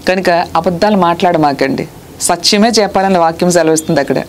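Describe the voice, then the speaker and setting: A woman's voice: fairly low pitch, fairly quick, slight background noise. Earnest woman preacher scolding her flock. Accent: Telugu. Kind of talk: sermon.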